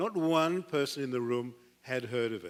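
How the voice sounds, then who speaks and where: A man is speaking. He has a South African accent and medium pitch. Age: 70s. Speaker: guest speaker on Israel. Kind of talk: public talk. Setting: synagogue hall with audience. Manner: emotional; halting.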